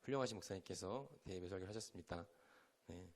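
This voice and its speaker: The man has a deep voice and speaks fast. He is a young pastor from Chungcheong, South Korea, quizzing a youth group during an informal sermon in a church hall.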